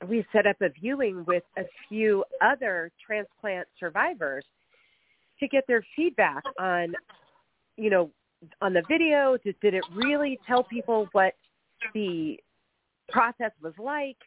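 A woman's voice: mid-range voice, unhurried, no echo. Stuffed-up woman radio host. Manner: upbeat, lively, chatty. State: stuffed up with a cold, coughing. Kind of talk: radio interview. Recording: tinny phone-like radio audio with faint music.

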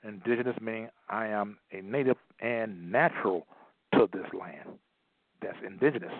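A man's voice: fairly low pitch, moderate pace, dry recording. A man giving an emphatic lecture, partly reading aloud and repeating phrases for stress. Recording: tinny phone-like line, dry.

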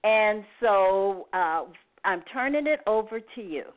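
A woman hosts a live call-in show in a deliberate way. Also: medium pitch, animated. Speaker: show host. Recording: tinny phone-like line.

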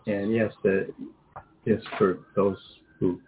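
A man co-hosting a casual talk radio show, explaining in a halting, rambling way and often rephrasing. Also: lowish voice, little pitch movement. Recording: tinny phone-like line, faint hiss.

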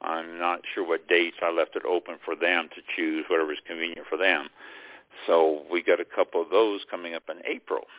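Over a dry, tinny phone line with no room sound, a radio co-host with a deep voice talks casually about planning for upcoming guests. His delivery is flat and normal in speed, but the chat rambles and he sounds hesitant and unsure.

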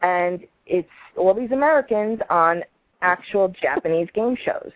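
A woman's voice: fairly low pitch, lively intonation, measured pace, no echo. A woman chatting casually and bluntly as a phone-in co-host. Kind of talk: casual chat. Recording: dry tinny phone line.

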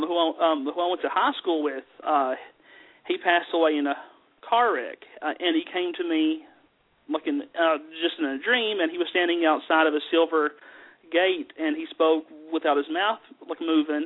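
A man with a Southern American accent, a psychic medium guest talking in an easygoing, folksy way with many fillers. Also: fairly high pitch. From Southern US mountains. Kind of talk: casual chat. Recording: tinny phone line.

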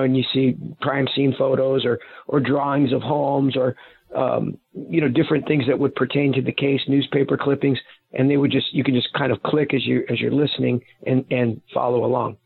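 In a phone-in interview, this man, a guest author working as a private investigator, rambles through lengthy explanations full of restarts and self-corrections over the phone line. He has a creaky, husky, mid-range voice.

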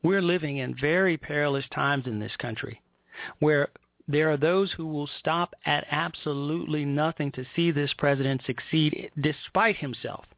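An American man hosting political talk, giving emphatic, indignant commentary and reading out news reports in deliberate phrases. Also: fairly high pitch, vocal fry, no echo. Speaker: political talk show host. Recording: tinny, narrow phone-like line.

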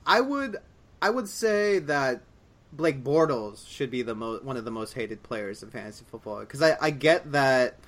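A man's voice: mid-range voice, lively intonation, normal speed, fairly bright tone. Rambling young man on a podcast. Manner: rambling, jokey, lots of fillers and restarts. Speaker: podcast co-host. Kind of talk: casual chat.

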